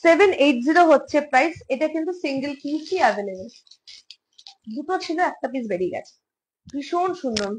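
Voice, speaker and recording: A woman with a high voice talks through a casual home showcase of jewellery pieces. She is chatty, repeats her phrases and slips English words into her speech. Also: expressive, brisk, a little hiss or hum, poor audio. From India. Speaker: jewellery seller. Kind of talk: casual live product showcase.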